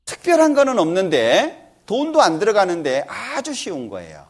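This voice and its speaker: A man's voice: high-pitched, huge pitch swings, normal speed. A middle-aged man giving a church lecture, telling an earnest personal story about his family and acting out their talk.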